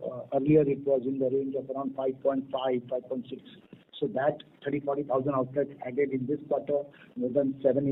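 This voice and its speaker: A man, a company executive, answering analysts' questions on an earnings call, halting with many fillers. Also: medium pitch, husky. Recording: tinny phone line.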